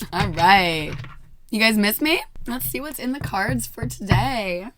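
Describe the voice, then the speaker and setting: A hoarse woman who has nearly lost her voice gives a chatty daily tarot reading into a microphone, laughing often. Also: mid-range voice, expressive, takes it slowly, crowd noise. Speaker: tarot reader.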